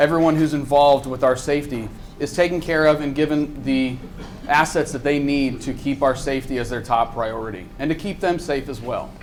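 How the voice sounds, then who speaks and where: With noticeable background noise behind him, a man speaks at a fairly quick pace in a fairly high pitch with fairly even intonation. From Indiana, Evansville area. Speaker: political candidate, attorney. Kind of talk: political debate.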